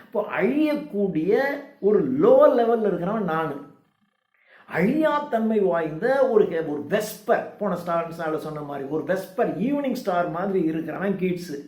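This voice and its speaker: A man with a Tamil accent, teaching a poem. He reads the English lines slowly and with emphasis, then explains them quickly in casual speech. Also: sits high, expressive, darkish tone, reverberant. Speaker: literature teacher.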